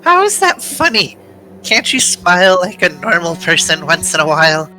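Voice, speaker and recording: A woman's voice: fairly low pitch, very animated, normal speed, sharp tone, soft background music, rough recording. Woman playing a swooping, whiny nerdy guy. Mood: indignant. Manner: melodramatic, exclaiming. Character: jumpy, whiny, dramatic nerdy young man. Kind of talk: amateur voiced playthrough of a visual novel game.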